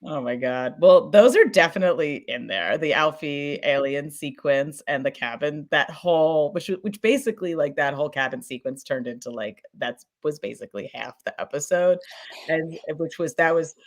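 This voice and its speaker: A woman podcast producer talking casually on a panel in an effusive, excitable, informal way. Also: low-pitched, normal speed. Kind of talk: casual conference panel talk.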